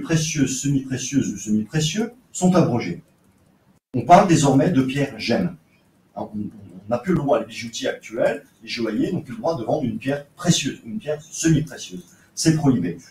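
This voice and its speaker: A man delivers a seminar lecture, explaining patiently and pausing often on fillers as he goes. His voice sits at an ordinary middle pitch. He is recorded from a distance in a roomy lecture hall with faint background noise. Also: a little mellow. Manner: explanatory, with hesitations and many fillers. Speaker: archaeologist lecturer. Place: lecture room.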